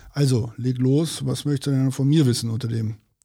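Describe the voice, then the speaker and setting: With an ordinary speaking voice, a man talks at a moderate pace. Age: 50s. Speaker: podcast host, investment firm editor. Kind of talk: interview-style casual chat. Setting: studio.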